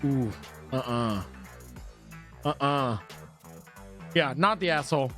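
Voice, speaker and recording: A man's voice: mid-range voice, slow, a bit bright, soft background music. A man streaming, reading forum posts aloud and breaking off to react, swear and laugh.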